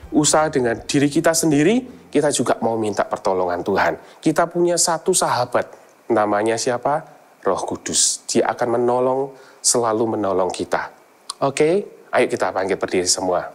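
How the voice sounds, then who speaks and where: A young woman with an Indonesian accent leading a children's church lesson, speaking in an animated, coaxing way and putting on high whiny kid voices for examples. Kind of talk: children's sermon.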